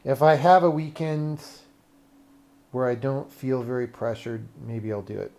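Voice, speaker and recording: Gravelly-voiced man chatting casually on stream. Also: medium pitch, steady tone, a little slow, darkish tone. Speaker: game developer and livestream host. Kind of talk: casual livestream chat.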